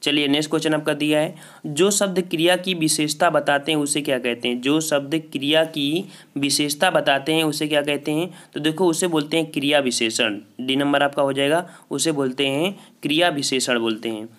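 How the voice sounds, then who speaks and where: In a brisk, fairly high-pitched voice with a bit of brightness, a male teacher goes through a Hindi grammar test for exam preparation. He echoes each answer back with a "ठीक है" check-in.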